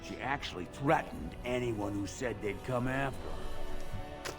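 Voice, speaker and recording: A man's voice: mid-range voice, a little slow, over music, close to an everyday voice. An actor playing a scornful, gossipy upper-caste dwarf man in a fantasy game, with a haughty manner. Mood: disdainful gossip.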